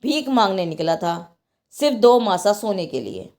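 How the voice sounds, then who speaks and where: A woman's voice: mid-range voice, very animated, unhurried, a little mellow. A woman voicing a timid, anxious young man in a told story, humble and pleading.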